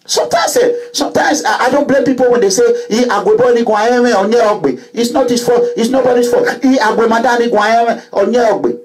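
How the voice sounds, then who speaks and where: Emphatic man, high voice. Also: brisk, few pauses, faint music behind, poor audio. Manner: emphatic, repetitive, rising to loud outbursts. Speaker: online commentator. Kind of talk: impassioned monologue to followers.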